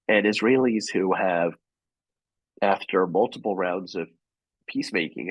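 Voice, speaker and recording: A man answering questions over a video call in a measured, thoughtful way, often restarting his sentences. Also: sits low, breathy edge, no room sound, dull audio. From United States. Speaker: guest journalist. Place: home.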